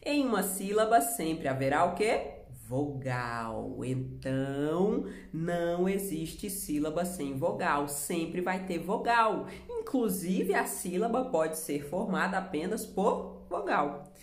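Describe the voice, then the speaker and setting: A woman's voice: lowish voice, expressive. Brazilian woman teacher, patient, in an echoey room. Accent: Brazilian Portuguese. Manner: patient, explains slowly, asks the class questions. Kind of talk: remote lesson for children.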